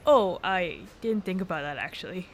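A woman's voice: lowish voice, expressive, moderate pace, a little hiss or hum, lightly acted. A young woman playing an earnest young woman who keeps questioning where she belongs, in an amateur audio drama. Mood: chatty. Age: young adult. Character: young mixed-race woman, searching and earnest.

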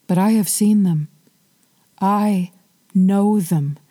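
A woman voicing an anguished young queen who pleads with her husband in a storytelling podcast, in a dark, close voice. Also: mid-range voice, slow, no room sound. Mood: fearful.

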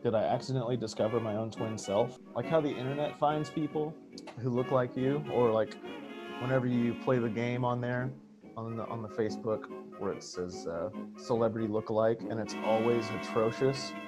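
An actor playing a frightened, rambling man who confides in his therapist, earnest, halting and stammering. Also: medium pitch, fairly even intonation, close to an everyday voice. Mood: bewildered. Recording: music behind the voice.

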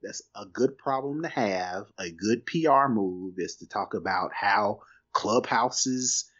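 A man co-hosting a casual tech news podcast, talking in an animated, slangy, emphatic way. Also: lowish voice, slow pace, muffled recording. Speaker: podcast co-host.

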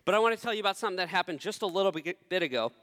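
A young man delivers a sermon. He keeps it conversational and pokes fun at himself. His voice sits a little high and carries a long reverb, as if filling a large sanctuary. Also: lively intonation, very fast, fairly bright tone. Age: 20s. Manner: conversational, self-deprecating humor. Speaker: pastor.

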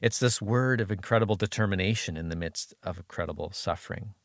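A low-voiced man gives a reflective podcast Bible teaching and reads scripture aloud, lifting his voice for the quoted verses. The sound is close and dry, with no room around it. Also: fast talker, no echo.

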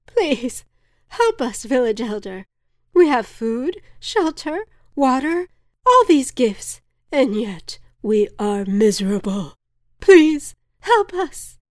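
A frazzled villager woman begs for help in high, loud cries, as a woman narrator puts her on. Her voice jumps up sharply. It is a storybook figure in a dry, close sound. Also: sing-song, takes it slowly, dry recording, exaggerated voice. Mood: pleading.

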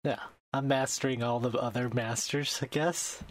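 A man's voice: mid-range voice, steady tone, moderate pace. A man on a gaming podcast, joking with wry puzzlement. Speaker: podcast co-host. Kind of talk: casual podcast chat.

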